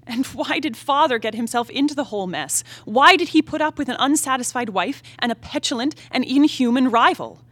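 A woman acting a wilful, discontented young married woman in a period stage drama, in a reflective, halting, emotive soliloquy. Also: sits high, fairly bright tone, no room sound. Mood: troubled questioning. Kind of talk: theatrical play reading, period drama monologue. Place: theatre stage, live play reading.

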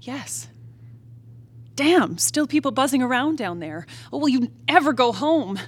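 A woman's voice: high-pitched, expressive, measured pace, husky, heavily acted. A woman acting a restless, defiant young wife in a dramatic stage play reading, yearning and impassioned. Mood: weary, irritated. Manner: theatrical, impassioned soliloquy. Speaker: playwright reading her own play.

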